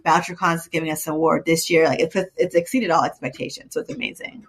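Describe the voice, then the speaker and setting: A woman's voice: low-pitched, level tone, quick pace, breathy edge. A woman in her forties, an author, talking as a guest in a casual interview, with lots of fillers and restarts. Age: 40s. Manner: chatty, many fillers and restarts.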